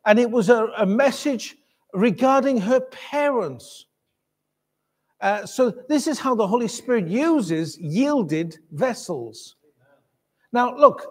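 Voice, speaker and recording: A man preaching to a congregation, talking it through casually with restarts and quick asides to the room. His voice sits high for a man, and it rings with the long reverb of a church hall. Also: a little mellow. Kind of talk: sermon.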